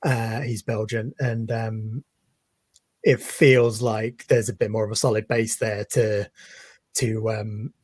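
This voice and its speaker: A man with a faintly husky voice, recorded close and dry. He talks football in a measured, thoughtful way, stopping often with ums and uhs as he lines up his points. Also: on the low side, level tone, a little mellow, no room sound. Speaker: guest, football fan page creator. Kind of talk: casual interview chat.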